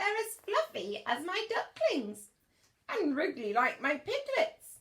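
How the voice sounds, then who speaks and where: In a put-on character voice, a woman speaks at a fairly slow pace, squeaky and extremely high-pitched, raised and projected, with very wide pitch swings. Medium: read story.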